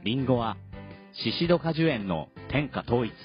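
A man reading a product announcement for a radio ad in a smooth, plain sales manner. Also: medium pitch, animated, moderate pace, natural voice. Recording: dull ad audio over music.

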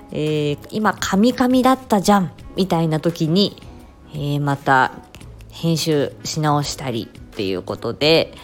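A woman hosting a casual solo podcast, explaining at an easy pace with frequent filler sounds. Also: deep voice. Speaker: podcast host.

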